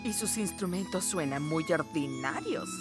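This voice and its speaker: A woman's voice: deep voice, lively intonation, normal speed, over music. A woman with a Latin American Spanish accent playing a haughty, gushing queen in a cartoon, with an affected regal manner. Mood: disdainful.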